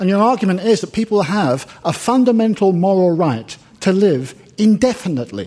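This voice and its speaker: Against noticeable background noise, a man with a high pitch talks at a moderate pace with lively intonation. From England. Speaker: philosopher. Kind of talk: formal debate. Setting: stage with audience.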